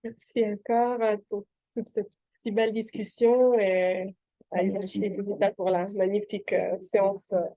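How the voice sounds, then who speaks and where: A woman wraps up an academic seminar with thanks and a date for the next session. Her tone is mellow and warm, and she hesitates often. The sound is dry and close. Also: medium pitch, level tone, moderate pace, no room sound, low-quality recording. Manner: hesitant, polite, with many fillers. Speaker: seminar organizer. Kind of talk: closing remarks at an academic seminar.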